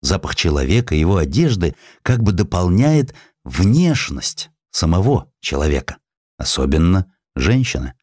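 Male audiobook narrator, deep and lively, voices the dialogue, studio-dry. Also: normal speed, no echo. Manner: expressive reading, voices characters in quoted lines. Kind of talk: audiobook narration of a historical essay with acted dialogue.

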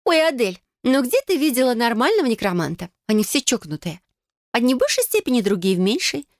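A woman reader voicing a lively, scheming young cousin who is excitable and bossy in an audiobook. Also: fairly high pitch, no echo, clean studio sound, pitched above the performer's own voice. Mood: teasing. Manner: excitable, bossy, quick to scold. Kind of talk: audiobook character voice.

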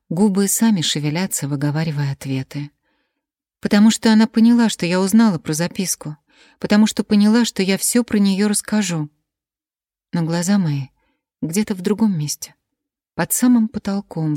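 A woman narrating a first-person audiobook in a quiet, measured reading voice on a close mic. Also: fairly low pitch, dry recording.

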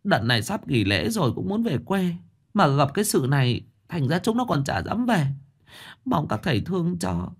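A man's voice: a little high, very animated, moderate pace, breathy edge, voice pushed up, full character voice. A man voicing a tearful middle-aged village woman begging for help. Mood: pleading. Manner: whimpering, pleading.

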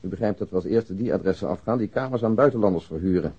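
A man's voice: sits low, fast, dark tone, breathy edge. A man playing a polite police investigator in a radio drama, speaking formally and precisely. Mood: polite, official. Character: businesslike, polite male police investigator giving facts. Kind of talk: Dutch radio drama acting. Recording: dull, lo-fi radio drama recording.

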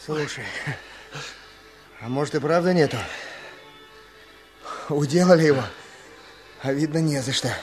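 An actor playing a brash, edgy young villager turned bandit in a Russian radio drama, clipped and commanding. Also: male voice, a little high, measured pace, long pauses, darkish tone, soft background music, close to an everyday voice. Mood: agitated.

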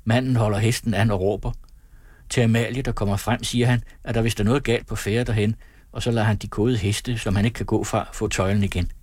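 A man reading a novel aloud as an audiobook narrator, calm and measured in his storytelling. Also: on the low side, no echo, clean studio sound. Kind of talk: scripted narration.

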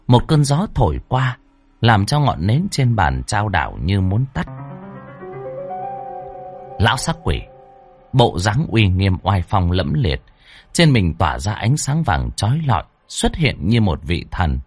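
A man narrating a horror story with lively, dramatic delivery. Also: on the low side, unhurried, breathy edge, dry recording, soft background music.

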